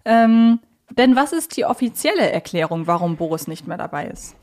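A woman's voice: fairly high pitch, expressive, normal speed, a little mellow. A woman hosts a podcast in a casual, conversational way. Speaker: podcast host.

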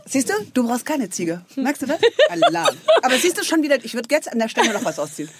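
A woman's voice: on the high side, very animated, fast talker, noisy background. A middle-aged woman as a guest on a radio talk show, chatty and enthusiastic, often trailing off mid-sentence. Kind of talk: casual radio chat.

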